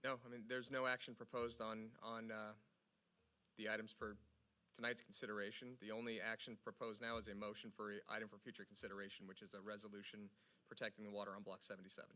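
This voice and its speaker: A man explains procedure formally as an adviser at a council meeting. He talks quickly in a low, bright and forceful voice that stays quite monotone. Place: council chamber, public meeting.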